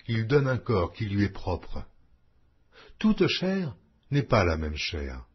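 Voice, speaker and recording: A man reading scripture aloud in a slow, measured, expressive way, with a husky voice. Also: mid-range voice. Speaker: Bible reader. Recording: dull lo-fi audio.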